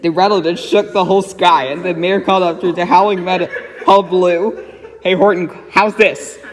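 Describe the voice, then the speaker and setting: Reading a rhyming picture book for children, a man with a high-sitting voice keeps a steady tone and a moderate pace, performing it dramatically and giggling often. The recording has an echoey, reverberant room sound.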